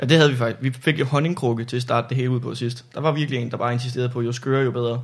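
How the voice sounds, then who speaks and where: A man speaks at a very fast pace with a medium pitch. His intonation is monotone and flat. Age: 20s. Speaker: stand-up comedian. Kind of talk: casual chat.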